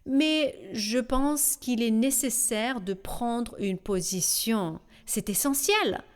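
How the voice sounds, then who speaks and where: A woman voicing a panel discussion in a measured, deliberate way, with small hesitations. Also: a little high, clean tone. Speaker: voice-over translator.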